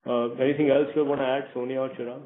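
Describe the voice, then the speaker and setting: A man's voice: medium pitch, flat delivery, quick pace. A male executive answering analyst questions off the cuff, hesitant with frequent fillers. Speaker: company executive. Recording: tinny phone line in echoey room.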